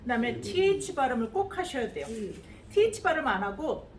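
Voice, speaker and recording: A woman's voice: high voice, sing-song, fast talker, a little hiss or hum. A woman teaching English pronunciation to a class, modelling sounds and having them repeat. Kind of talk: classroom lecture with drills. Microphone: distant room mic. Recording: echoey classroom from far off, class audible.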